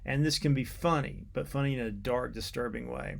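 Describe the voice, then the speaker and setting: A man lectures on literature in a mid-pitched voice with noticeable creak. His delivery is unscripted and deliberate, halting to search for phrasing and repeating words as he explains.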